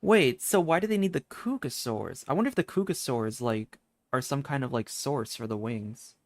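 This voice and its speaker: A man's voice: mid-range voice, expressive, moderate pace, no echo. Casual male streamer, dry close sound. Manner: slangy, sweary, musing. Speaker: gaming streamer. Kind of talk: casual playthrough commentary.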